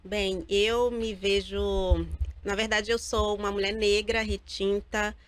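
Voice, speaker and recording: A woman's voice: mid-range voice, level tone, slow, a little hiss or hum. A Brazilian woman from Bahia talking as a guest in an interview. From Salvador, Bahia, Brazil. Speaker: guest, lawyer and activist. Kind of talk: personal interview talk.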